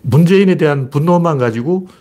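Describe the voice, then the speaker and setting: A man's voice: fairly high pitch, brisk, mellow. A man hosting a political talk show, telling stories in a blunt, rambling way. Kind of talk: casual political monologue.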